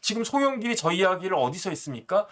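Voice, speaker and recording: A man's voice: high-pitched, sing-song, quick pace, a bit bright. A man in his fifties commenting on politics in a talk show, indignant and full of rhetorical questions. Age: 50s.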